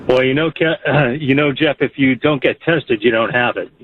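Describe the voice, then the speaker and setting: A man calling in to a radio show, halting and full of fillers, chuckling as he talks. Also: medium pitch, slight background noise. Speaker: caller. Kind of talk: phone-in caller chat. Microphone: telephone. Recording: muffled phone line.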